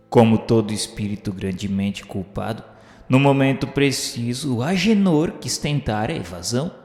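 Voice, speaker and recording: A man narrates a radio drama in solemn, literary phrasing. His mid-pitched voice rings with heavy echo and a long reverberant tail, with music playing behind it. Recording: echoing, reverberant hall sound with music. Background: background music.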